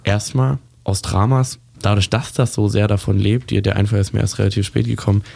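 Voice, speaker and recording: A man's voice: on the low side, fairly even intonation, fairly quick, creaky, dark tone, no room sound. A man hosting a casual radio talk show, rambling and correcting himself as he chats about literature, laughing often. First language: German.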